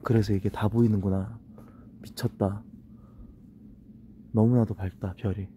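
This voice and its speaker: A man's voice: on the low side, level tone, unhurried, mellow, slight background noise. A man live-streaming outdoors at night, chatting bluntly and swearing as he shivers from the cold. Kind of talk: casual live-stream chat. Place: outdoors at night at a holiday cabin.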